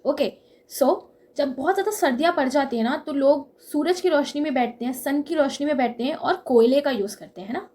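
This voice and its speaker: High-voiced woman teaching memory tricks. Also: darkish tone. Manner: explains step by step, often checking in with "okay" and "na"; drags out key words to stress them. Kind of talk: exam-prep lesson with memory tricks.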